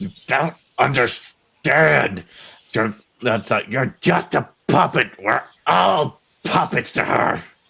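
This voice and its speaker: A gravelly, growling put-on character voice at a very slow pace, with very wide pitch swings. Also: man, medium pitch for a man. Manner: screaming, desperate.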